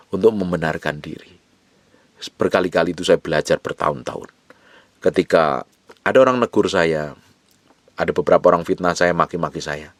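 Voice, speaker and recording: Low-voiced guy preaching, pushes hard then drops quiet, says the same lines over and over, dry close sound. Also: no echo. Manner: urgent exhortation, alternating forceful rises and hushed low phrases; repeats short phrases for emphasis. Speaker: pastor. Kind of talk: sermon.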